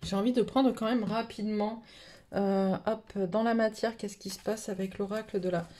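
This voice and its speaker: A woman's voice: medium pitch, fairly even intonation, moderate pace, warm tone, a little hiss or hum. A woman with a cold, giving a casual spiritual card reading, rambling with many fillers and restarts. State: has a cold. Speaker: tarot reader. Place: home table, camera above the cards.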